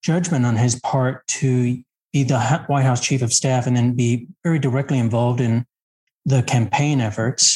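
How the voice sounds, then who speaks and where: A man's dark, mellow, somewhat breathy voice at a medium pitch, fairly slow pace and ordinary pitch variation. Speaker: law professor, co-host. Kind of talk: political discussion. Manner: calm; measured.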